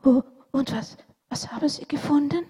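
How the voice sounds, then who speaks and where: A woman's voice: moderate pace, natural voice. A woman voicing an eager little sick boy. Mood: faint. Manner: high, bright and insistent. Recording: long hall reverb.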